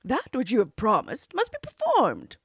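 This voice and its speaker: A woman's voice: on the high side, wildly swooping pitch, moderate pace, slightly rough, no room sound, clean studio sound, voice pushed up, full character voice. A woman doing a stern old king. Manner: firm, commanding.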